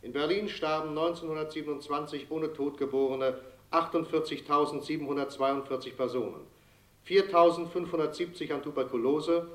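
An actor in a radio drama playing an impersonal official announcer reading formal statistics, with an echoey sound. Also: male voice, fairly high pitch, steady tone, fairly quick, close to an everyday voice.

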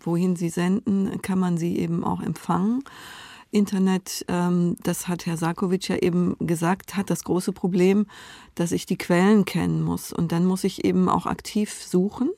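Female interview guest, conversational, even intonation, vocal fry, dry studio. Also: on the low side, no echo. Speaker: journalist and editor, interview guest. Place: radio studio.

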